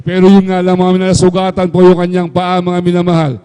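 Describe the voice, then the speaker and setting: A man's voice: high voice, completely flat delivery, quick pace, dark tone, clean tone, long reverb tail. A middle-aged man giving a fervent testimony at an overnight prayer service, often addressing the congregation. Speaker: church member giving testimony.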